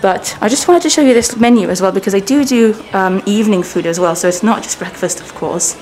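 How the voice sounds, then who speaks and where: A woman's voice: mid-range voice, a little fast, darkish tone. A woman in her thirties whose first language is Persian, giving an upbeat, chatty walking tour of a hotel while she films herself. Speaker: travel vlogger. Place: indoor hotel lobby and halls. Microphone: handheld camera, self-filmed. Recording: noisy handheld camera audio.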